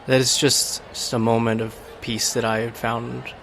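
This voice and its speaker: Man as dwarven performance artist, gentle, serene, courteous, measured, tabletop audio drama. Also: medium pitch, level tone, gravelly, slight background noise, poor audio.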